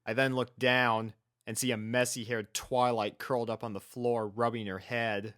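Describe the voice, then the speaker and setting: A man's voice: medium pitch, level tone, moderate pace, a bit bright, no echo, studio quality. A man reading a scripted first-person story as its narrator. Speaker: fan fiction reader and narrator.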